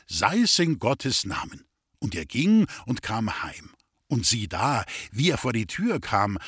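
A man reading an old folk tale aloud as an audiobook, with lively, old-fashioned storytelling. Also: on the low side, husky, dry recording, clean studio sound. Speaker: reader.

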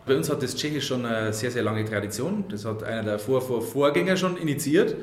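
A school principal speaks deliberately in an interview, sounding committed to his subject. His voice has a middle pitch for a man, and the room around him gives a noticeable echo. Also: expressive, a little hiss or hum. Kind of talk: interview statement.

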